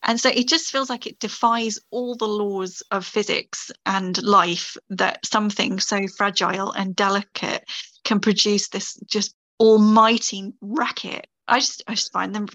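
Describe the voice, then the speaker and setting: A woman's voice: mid-range voice, steady tone, measured pace, pushed and bright, no room sound, low-quality recording. A woman guest in a casual interview, speaking with enthusiasm and frequent restarts. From England. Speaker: podcast guest, writer.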